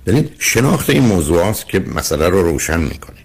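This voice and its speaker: An older man with a husky voice, a radio counseling host giving earnest, lecturing advice to a caller. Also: deep voice, very animated.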